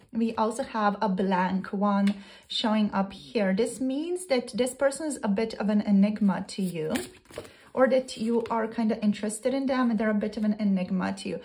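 A woman's voice: medium pitch, a little mellow. A young adult woman, a tarot reader who chats her way through a pick-a-card reading and thinks aloud as she searches for words. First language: Slovenian.

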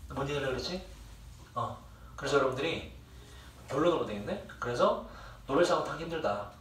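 A man's voice: medium pitch, expressive, fairly quick, noisy background. A young man teaching a class, who rambles, jokes with his students and swears freely. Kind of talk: classroom lecture. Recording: echoey room, distant mic, faint ambience.

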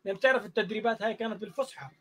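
A man with a Jordanian Arabic accent tells a story quickly in a very high voice. He acts out each exchange with animated energy. He is a music teacher speaking casually in a live online interview.

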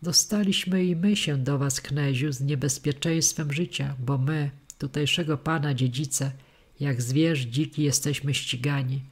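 A man's voice: a little high, steady tone, unhurried, breathy edge. A man voicing a proud, demanding young male noble heir in an audiobook. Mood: haughty. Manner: haughty, demanding.

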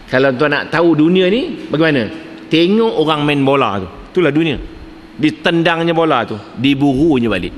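A man's voice: medium pitch, a little hiss or hum. An older man with a Malaysian Malay accent giving a religious lecture, telling anecdotes, acting out the dialogue and chuckling at his own jokes. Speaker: preacher. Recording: reverberant hall, faint ambience.

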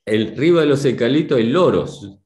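A man's voice: mid-range voice, animated, normal speed. Older Rioplatense male host, affectionate interviewer, desk mic in a roomy studio. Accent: Rioplatense Spanish. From Argentina. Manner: warm, affectionate toward guest. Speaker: host, reverend. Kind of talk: friendly interview. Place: studio with purple-lit backdrop. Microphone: desk podcast mic.

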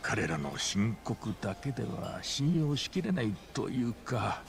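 A man's voice: on the low side, very animated, vocal fry, exaggerated voice. An actor playing a very old, courteous and grave school chairman in a video game drama, speaking formally and with measure. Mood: grave, guarded. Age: older. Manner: formal, polite, measured old man's delivery. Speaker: school board chairman, client. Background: background music.

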